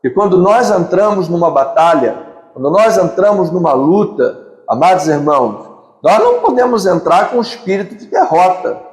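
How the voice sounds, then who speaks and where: A man's voice: high voice, very animated, moderate pace, darkish tone. A man with a Brazilian accent preaching a sermon as pastor, driving his points home with emphatic repeated phrases and lists. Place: church sanctuary. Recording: echoey hall with long reverb.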